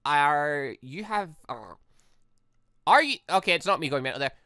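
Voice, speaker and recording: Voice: medium pitch, lively intonation, normal speed, bright, forceful tone, no room sound, clean studio sound. A gaming video host giving exclamatory, rambling commentary on a playthrough, often interrupting themselves mid-thought. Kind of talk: playthrough commentary with read-aloud dialogue.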